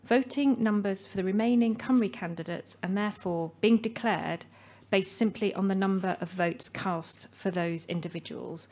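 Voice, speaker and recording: A woman's voice: mid-range voice, a little mellow. Woman reading results at a podium. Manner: measured, reading names slowly. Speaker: announcer of election results. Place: meeting hall. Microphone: podium microphone.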